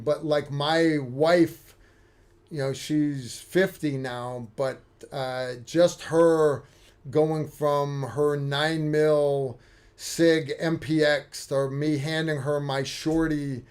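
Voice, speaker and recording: A man hosting a casual livestream, talking in a relaxed, unhurried way with frequent fillers. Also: on the high side. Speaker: livestream host.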